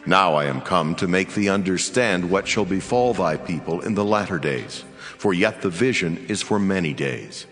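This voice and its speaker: A man playing a solemn, mighty angelic messenger in a dramatized scripture reading, measured and commanding. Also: sits low, expressive, a bit bright. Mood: solemn, reassuring. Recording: long reverb, music behind. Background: music.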